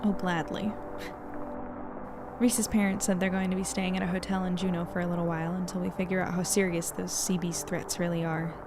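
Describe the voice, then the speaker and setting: A woman's voice: lowish voice, flat delivery, brisk, noisy background, close to an everyday voice. A woman playing a practical, reflective young narrator in an audio drama, speaking casually. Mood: light, friendly. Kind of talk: first-person audio drama narration and dialogue.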